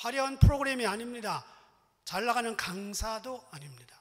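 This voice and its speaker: A man with a high pitch speaks at a moderate pace, with audible room echo. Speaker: pastor. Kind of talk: sermon. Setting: church.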